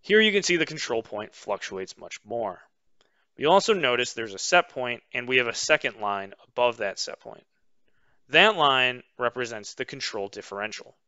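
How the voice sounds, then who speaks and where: Bright-voiced man explaining slides. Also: medium pitch, lively intonation, clear, resonant tone, dry recording, dull audio. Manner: measured explanatory pace with frequent "um" fillers. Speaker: instructor. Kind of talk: webinar lecture over slides.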